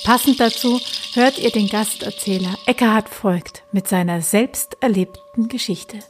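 A woman host introducing a story episode in a friendly, clear announcing manner. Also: mid-range voice, measured pace, a little hiss or hum. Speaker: podcast host. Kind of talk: show introduction. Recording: voice over clear music.

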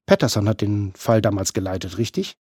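A man voicing a brisk, mocking female police chief who needles her colleagues with pointed questions. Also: lowish voice, expressive, a little mellow, breathy edge, no echo, clean studio sound. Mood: probing.

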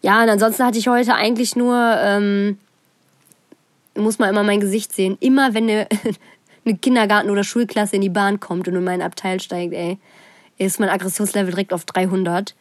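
A woman's voice: mid-range voice, steady tone, fairly quick, no echo. A young woman from the Bonn area chatting casually with her sister, telling stories animatedly and acting out the voices of people she quotes. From Bonn area, Germany.

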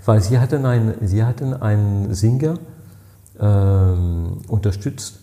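Halting older man with a French accent. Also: on the low side, warm tone. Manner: halting, searching for words, many fillers. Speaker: party president, guest. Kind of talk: interview answers, storytelling.

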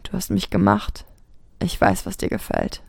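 A woman voicing a seductive, tall man who came out of an oven, speaking in a low husky whisper. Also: wildly swooping pitch, normal speed, no echo, studio quality, heavily acted.

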